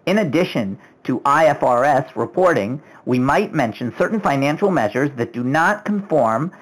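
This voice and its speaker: A medium-pitched voice moderating an earnings call. The speaker reads out a formal legal disclaimer from a script. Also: expressive, normal speed, poor audio.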